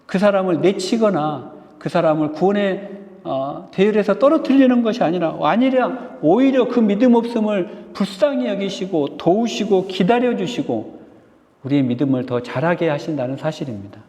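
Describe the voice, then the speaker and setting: A man's voice: high-pitched, moderate pace, warm tone. Man preaching in a reverberant church hall. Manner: earnest, addresses the congregation directly. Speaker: junior pastor. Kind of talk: sermon. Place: church sanctuary. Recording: reverberant hall, slightly dull sound.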